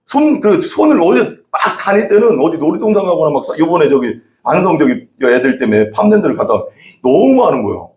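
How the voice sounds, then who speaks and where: A man's voice: fairly high pitch, big pitch swings, brisk, a little mellow. A man preaching a casual, conversational sermon, often asking the congregation questions. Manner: chatty, asks the congregation questions. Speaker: pastor. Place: church sanctuary. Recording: echoey church room.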